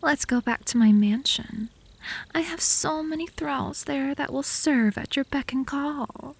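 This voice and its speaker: A woman's voice: high voice, measured pace, gravelly. A woman playing a possessive, lovesick, bratty vampire in a comedic ASMR roleplay, haughty and theatrical, by turns flirty and threatening. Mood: flirty, coaxing.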